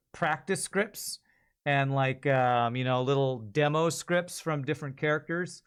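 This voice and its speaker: A man hosts a stream in an informal, conversational style. He thinks aloud as he talks to viewers. His voice sits at a medium pitch. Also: smooth. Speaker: livestream host. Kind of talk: casual chat to stream viewers.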